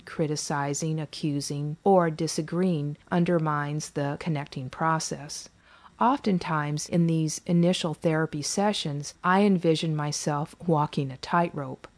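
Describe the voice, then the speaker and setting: A woman therapist giving calm, soft-spoken, measured scripted instructional narration. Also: sits low.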